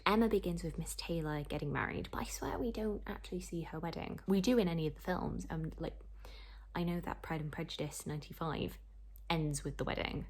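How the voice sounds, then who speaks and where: A woman's voice: fairly low pitch, slightly rough. A young woman chatting casually to camera as a book vlogger, in a rambling, self-deprecating way.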